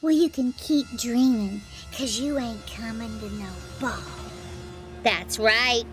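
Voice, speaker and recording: A woman voicing a cruel, sneering bully from Cinderella's stepfamily in an animated fairytale, taunting with drawn-out insults. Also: fairly high pitch, over music. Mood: bossy, sneering. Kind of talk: animated fairytale storybook acting.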